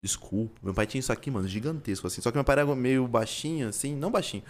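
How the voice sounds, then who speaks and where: A young man with a São Paulo accent telling animated, slangy stories in casual chat, with sound effects. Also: mid-range voice, very fast. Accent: São Paulo Portuguese. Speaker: storyteller in a chat.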